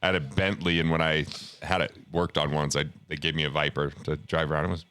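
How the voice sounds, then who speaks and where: Very deep-voiced male interviewer. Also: flat delivery, fast, sharp tone. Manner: reflective, finishes the guest's sentences. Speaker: host. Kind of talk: conversational interview.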